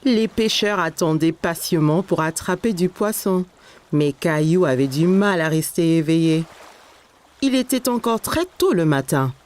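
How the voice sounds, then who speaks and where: A woman's voice: on the low side, animated, measured pace, darkish tone. A woman narrator reading scripted story narration for a French children's cartoon.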